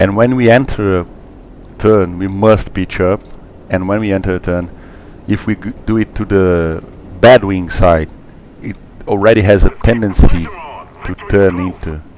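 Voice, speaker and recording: There is noticeable background noise as a man speaks in a Portuguese accent. His intonation is fairly even, broken by long, frequent pauses. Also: fairly low pitch for a man, moderate pace. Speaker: flight sim gamer. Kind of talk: gameplay tutorial commentary. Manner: halting.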